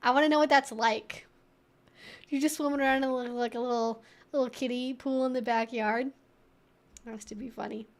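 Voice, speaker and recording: A woman's voice: a little high, fairly even intonation, fairly quick, long pauses. A woman hosting a livestream, talking casually and wryly as she reacts aloud to chat messages. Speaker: livestream host answering viewer chat.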